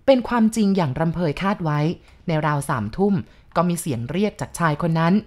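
A woman narrating a first-person ghost story in a steady, even reading voice. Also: lowish voice, fairly quick.

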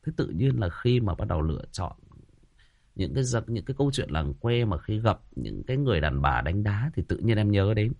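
A man's voice: on the low side, big pitch swings, fairly quick, gravelly, a little mellow, lo-fi sound. A man with a Northern Vietnamese accent hosting a casual livestream, chatty, with many fillers and repeated words. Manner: chatty, full of fillers and repetition. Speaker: livestream host, storyteller.

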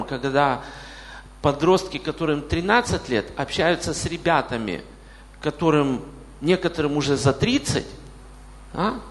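Male pastor, late 40s, gravelly voice, reverberant hall. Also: on the high side. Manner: questions the congregation directly. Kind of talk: sermon.

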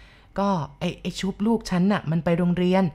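A woman voicing a worried village father who speaks slowly and pleadingly. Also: lowish voice, steady tone, warm tone, natural voice. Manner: slow, pleading. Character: worried village father searching for his son.

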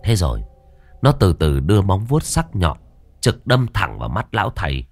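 A man narrating a horror story in an expressive, suspenseful way. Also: low voice, normal speed, faint music behind.

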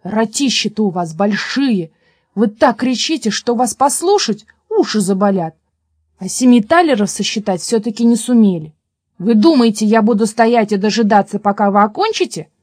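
A stubborn, exasperated peasant man from a storybook, as a woman reads him out. He scolds loudly and stresses every word. The sound is close and dry. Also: fairly high pitch, moderate pace, dry recording, lightly acted. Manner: scolding, loud, emphatic.

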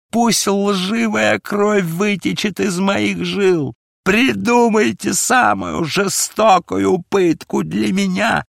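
Hoarse, guilt-wracked apostle, shrill and loud. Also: male voice, dry recording, clean studio sound, heavily acted. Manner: hoarse anguished shouting. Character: despairing apostle Peter, strong man, guilt-stricken.

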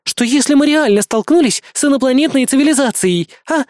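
A narrator voicing an excitable, eccentric young woman who chatters eagerly in a high voice. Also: a little fast, dry recording, clean studio sound, lightly acted. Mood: indignant.

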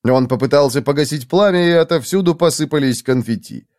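A man narrating an audiobook in a lively, expressive way. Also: fairly high pitch, fairly quick, dry recording, studio quality.

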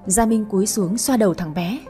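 With faint music in the background, a woman reads a romance story aloud, narrating and performing every character herself. Her medium-pitched voice is warm and a little fast, and her tone shifts for each line of dialogue.

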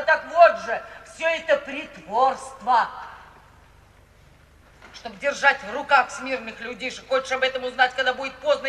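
Theatrical worldly mother, high bright voice. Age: middle-aged. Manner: theatrical, emphatic, pleading delivery. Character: worldly middle-aged mother, brothel owner, coaxing and defensive. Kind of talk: 1950s Russian radio theatre acting. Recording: echoey, distant 1950s radio play with hiss.

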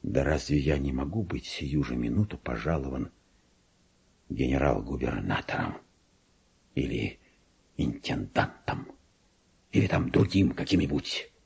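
Husky, wildly swinging deluded clerk. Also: male voice, expressive, a little slow, long pauses, full character voice. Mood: dreamy, secretive. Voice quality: husky, creaky. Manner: agitated, pompous, swinging from hushed musing to shrill indignation. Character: deluded petty Russian government clerk, pompous, obsessive, slipping into madness. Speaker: actor in a literary monologue. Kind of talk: theatrical radio monologue, diary read aloud.

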